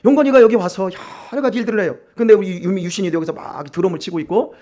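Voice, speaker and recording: A man's voice: high voice, racing, mellow. A man preaching a sermon as pastor in a church, emphatic and repeatedly asking his congregation questions. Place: church sanctuary.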